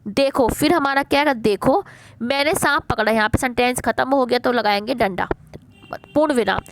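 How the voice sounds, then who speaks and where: A woman's voice: on the high side, a little fast, a little hiss or hum. A woman teacher going through a worksheet with children, coaxing, asking questions and answering them herself. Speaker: primary school teacher.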